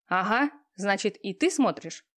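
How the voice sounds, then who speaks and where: A woman voicing a pushy, talkative young female friend who teases and lectures loudly. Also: mid-range voice, lively intonation, a little slow. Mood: bossy. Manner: loud, teasing, talkative.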